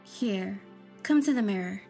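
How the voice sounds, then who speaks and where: A woman playing a calm, reassuring clinician in a sci-fi audio drama, gentle and methodical. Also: mid-range voice, measured pace, vocal fry, soft background music. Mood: calm reassurance.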